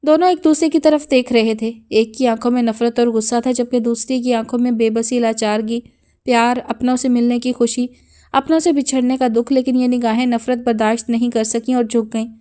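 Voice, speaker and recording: A woman narrating a novel as an audiobook with steady, emotive storytelling. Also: a little high.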